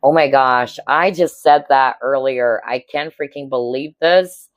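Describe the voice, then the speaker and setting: A woman with a hoarse, cracking voice giving a casual tarot reading to viewers, chatty and often checking in with her listeners. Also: very deep voice, measured pace, no echo. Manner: chatty, keeps checking in with "all right?" and "okay?". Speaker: tarot reader.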